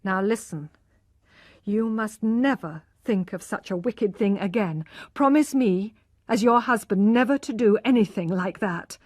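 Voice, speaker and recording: Rich: A hard, logical young husband who speaks forcefully and reproachfully, read by a woman. The delivery is slow and measured. It is recorded close in a dry room. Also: mid-range voice, no echo. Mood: firm.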